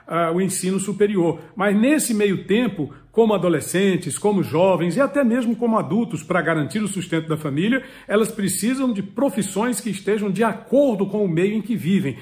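A man in his fifties with a noticeably high voice lays out advice step by step. He sounds earnest and didactic and hammers key words through repetition. He is recorded close up in a home study. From Piauí, Brazil. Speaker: political commentator and channel host. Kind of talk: direct-to-camera advice talk. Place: home study with full bookshelves. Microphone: webcam or phone close up, head and shoulders.

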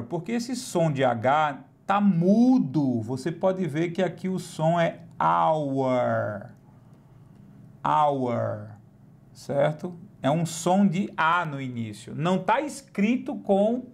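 A man teaching English in a recorded online lesson, explaining slowly and repeating each example word. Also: on the high side.

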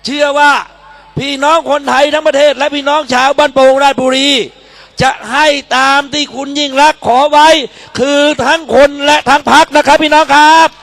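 A man's voice: extremely high pitch, level tone, fairly quick, fairly bright tone. A man speaking at a political rally, declaiming in short, emphatic phrases as he urges people to back a candidate. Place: public campaign rally in Thailand.

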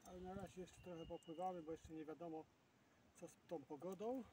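A man's voice: on the high side, steady tone, fairly quick. A man giving casual, muttered commentary while fishing outdoors from a boat, talking partly to himself. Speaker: fishing show host. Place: outdoors, on a boat on open water. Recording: windy, noisy outdoor recording, distant mic.

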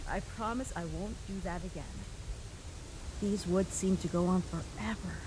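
A woman playing a gentle, uneasy young human adventurer in a comic dub, soft, hesitant and sincere. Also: fairly low pitch, moderate pace, big-room sound, noisy background, lightly acted. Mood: apologetic. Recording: music behind the voice.

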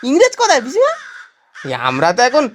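A man's voice: extremely high pitch, wildly swooping pitch, a little fast, fairly bright tone, heavily acted. Male actor as young gang boss, bombastic, grandiose, easily exasperated, declamatory, music behind, audio drama. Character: bossy, grandiose young male gang leader turned do-gooder. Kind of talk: theatrical audio drama acting.

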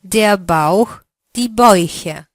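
Female teacher voice, unhurried and precise, dry studio sound. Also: medium pitch, dry recording. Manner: slow, carefully articulated prompting. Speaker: language teacher. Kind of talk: language lesson drills.

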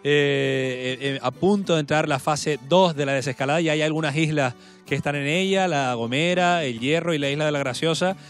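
A man's voice: a little high, normal speed, faint music behind. A man in his thirties with a Canarian Spanish accent, presenting a television show into a handheld microphone. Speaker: television host. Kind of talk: presenting a live folk music show. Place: large studio-like set with seated guests.

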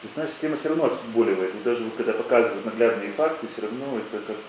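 A man's voice: lowish voice, very fast, darkish tone. A man moderating a reader Q&A at a press conference, speaking briefly and politely. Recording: very echoey room, faint noise.

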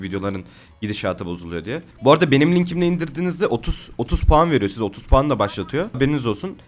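Fast-talking young man streaming a game. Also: medium pitch. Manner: fast, swearing, mock-angry outbursts. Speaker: gaming streamer. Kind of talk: casual gameplay commentary.

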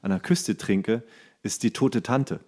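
A man's voice: fairly low pitch, measured pace, a little mellow. A man speaking as a podcast co-host in casual chat, colloquial and jokey, telling small anecdotes. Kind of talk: casual chat about food with a friend.

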